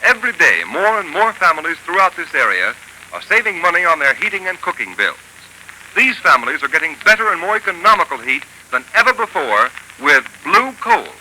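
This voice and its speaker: A man announcing and reading an advertisement on a 1930s radio show in a brisk, persuasive manner. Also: sits high, pushed and bright, low-quality recording. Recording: hissy old 1930s radio broadcast.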